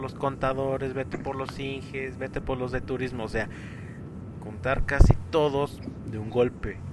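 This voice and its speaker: The speaker talks at a fairly slow pace with fairly even intonation. Noticeable background noise runs underneath. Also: man. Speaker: podcast host. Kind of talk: casual chat.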